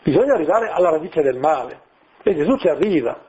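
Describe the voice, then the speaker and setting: A middle-aged priest delivers a sermon in a loose, conversational way, often turning to his listeners with questions. His voice sits high for a man. The sound is dull and lo-fi, as if from an old radio broadcast. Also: animated, a little fast, a little mellow, slight background noise. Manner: conversational preaching with acted-out voices and rhetorical questions.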